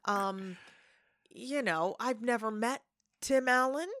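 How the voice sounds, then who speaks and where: A woman co-hosting a casual podcast, talking animatedly about film casting. Her voice sits at an ordinary middle pitch. The sound is dry and close. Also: slow, no echo. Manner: animated, acts out quoted lines. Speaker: podcast co-host.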